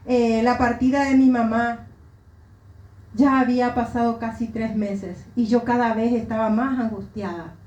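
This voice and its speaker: A woman's voice: a little high, darkish tone. A middle-aged woman pastor with an Argentine Spanish accent, giving an earnest, emotional sermon testimony. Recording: roomy echo.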